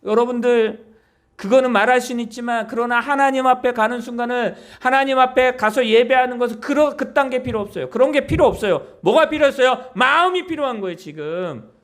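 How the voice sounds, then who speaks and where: A man's voice: extremely high pitch, fairly quick, fairly bright tone. A man preaching a Sunday sermon as pastor, pleading and emphatic, often asking his congregation questions. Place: church.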